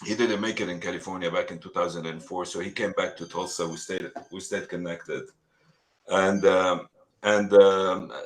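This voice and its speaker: A man from Lebanon with a low voice, middle-aged, speaking as a guest in a casual interview. He talks earnestly, stopping and restarting his sentences with plenty of fillers. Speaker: real estate agent, guest.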